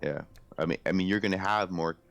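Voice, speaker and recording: A man's voice: low-pitched, fast, creaky. A man co-hosting a podcast in casual chat. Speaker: podcast co-host.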